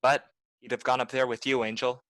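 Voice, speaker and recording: A man's voice: medium pitch, flat delivery, fairly quick, fairly bright tone, dry recording, close to an everyday voice. Hard-boiled radio detective, acted by a man: cynical, tough, blunt, recorded dry. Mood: accusing. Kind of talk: 1940s film noir radio acting.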